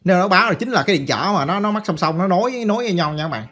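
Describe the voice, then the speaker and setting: A chatty man walks viewers through a circuit board repair at his workbench. His voice sits a little high for a man, and he keeps repeating phrases and calling out to the audience as he works. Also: lively intonation, racing, fairly bright tone. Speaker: electronics repair instructor. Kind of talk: casual hands-on repair tutorial.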